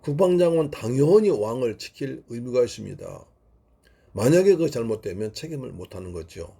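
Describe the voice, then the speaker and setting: A male pastor preaches a sermon at family worship, telling a scripture story with lively pitch swings. His voice is gravelly and husky, with a dark, mellow tone. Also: brisk. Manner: retells scripture as a vivid story, acting out the quotes.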